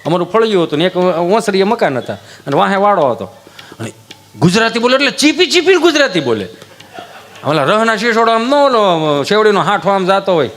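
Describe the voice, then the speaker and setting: A man's voice: sits high, sing-song, fairly quick, fairly bright tone. A man with a Kathiawadi Gujarati accent telling rustic folk jokes in a jovial, homely way. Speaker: folk storyteller. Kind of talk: live folk comedy storytelling.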